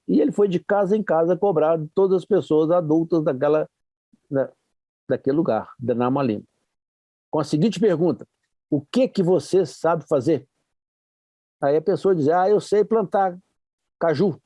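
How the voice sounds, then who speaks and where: An older man with a Brazilian Portuguese accent telling a story in an online workshop, acting out the dialogue in a lively way. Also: on the high side, dry recording. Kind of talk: storytelling talk. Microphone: online workshop mic.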